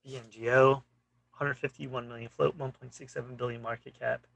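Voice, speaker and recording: Man, trading vlog host; gravelly, bright tone, dry close sound; casual clipped chart talk. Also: medium pitch, flat delivery, moderate pace, no echo, rough recording. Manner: clipped, fragmentary phrases with frequent "you know". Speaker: stock trading channel host.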